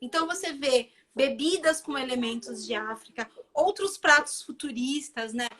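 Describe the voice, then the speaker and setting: This high, animated voice belongs to a Brazilian chef with a Bahian accent, chatting casually as a guest in a live conversation. She speaks at a moderate pace with a slightly bright tone and repeats phrases for emphasis.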